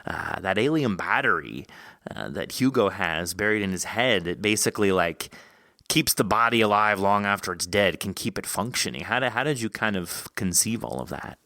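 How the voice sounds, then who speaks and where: A man with a fairly low, forward and bright voice, recorded close and very dry. He speaks as a podcast host in conversation, feeling his way through long, halting questions. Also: animated, no room sound. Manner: halting, thinking aloud, rambling questions. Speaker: podcast host interviewing an author. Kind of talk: conversational interview.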